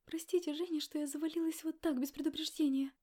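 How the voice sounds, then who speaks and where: A woman voicing a timid, tearful young pregnant woman who talks softly, sobbing and stammering. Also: sits high, fairly even intonation, quick pace, voice pushed up, close to an everyday voice. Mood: tearful pleading.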